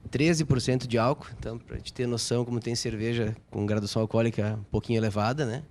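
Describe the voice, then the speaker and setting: A man's voice: medium pitch, steady tone, fast, darkish tone. A man, chatting casually as a studio guest and joking lightly. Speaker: studio guest, beer enthusiast. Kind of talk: casual chat.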